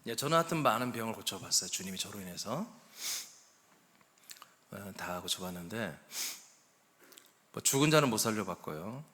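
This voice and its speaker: A pastor in his sixties delivers a sermon in a bright, forceful voice. He tells stories in a chatty way, rising to loud emphasis and then dropping to quiet asides. His voice carries a long reverb, as in a church hall. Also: on the low side, animated, moderate pace, long pauses. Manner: conversational storytelling, swinging between loud emphasis and hushed asides. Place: church sanctuary.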